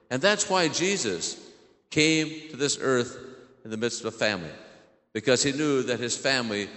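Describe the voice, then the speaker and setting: American priest preaching in a reverberant church. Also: male voice, medium pitch, a bit bright. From southern Illinois, United States. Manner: simple questions to children, repeats their answers. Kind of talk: children's homily in church. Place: large indoor church. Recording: echoey church hall, long reverb.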